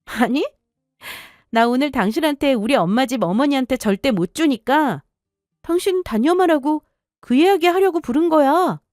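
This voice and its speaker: A fed-up wife who confronts her husband with sharp, cold accusations, played by a woman in an audio story. Her voice sits high and swings widely in pitch, and it is recorded dry and close. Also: expressive, moderate pace, dry recording. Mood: accusing.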